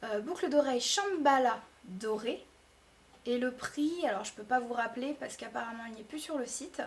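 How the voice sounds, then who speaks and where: Woman, beauty vlogger, high-pitched, chatty, talks to viewers, casual review, faint hiss. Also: normal speed. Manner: chatty, addresses viewers directly, listing items one by one. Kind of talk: casual product review to camera.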